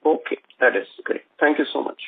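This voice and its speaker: A man asking analyst questions on a business conference call, speaking haltingly with many repeated uhs. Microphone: telephone conference line. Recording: tinny phone line with faint noise.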